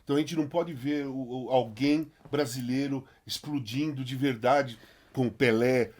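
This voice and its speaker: A man's voice: medium pitch, fairly even intonation, moderate pace, a little mellow. A man hosting a podcast, talking animatedly and emphatically in casual chat. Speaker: podcast host.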